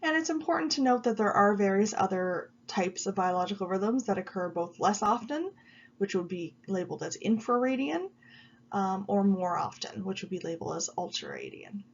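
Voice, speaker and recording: Woman, stuffy with a cold, college lecture, fry in her voice, dull audio. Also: medium pitch, normal speed. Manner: steady explanatory pace with frequent ums. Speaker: college psychology instructor. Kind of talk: recorded video lecture.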